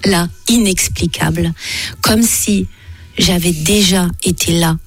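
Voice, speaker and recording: A woman's voice: fairly low pitch, slow pace, faint music behind. A woman singer, born in France with Portuguese as her first language, recounting her life story thoughtfully with frequent hesitations. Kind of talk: personal interview storytelling.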